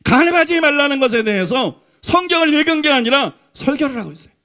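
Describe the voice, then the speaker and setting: Very high-voiced male pastor preaching. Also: expressive, fast talker, sharp tone. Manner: emphatic, repeats points and asks the congregation rhetorical questions. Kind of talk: Sunday sermon. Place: church sanctuary.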